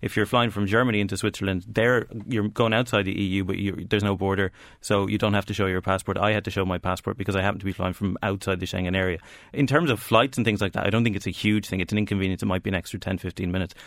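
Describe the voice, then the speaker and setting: In an Irish accent, a man talks at a very fast pace with fairly low pitch and fairly even intonation. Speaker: business journalist. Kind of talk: radio panel discussion. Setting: studio. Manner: halting.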